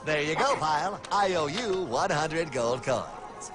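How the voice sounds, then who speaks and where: Lively, high-ish slick cartoon banker. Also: male voice, unhurried. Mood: smooth salesmanship. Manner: chummy, salesman-like. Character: folksy, affable, slick male banker and goldsmith. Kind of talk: animated cartoon dialogue. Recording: music behind the voice.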